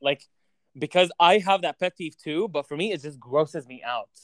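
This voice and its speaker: A young man in a casual chat, reacting quickly and speaking bluntly with plenty of swearing. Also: on the high side.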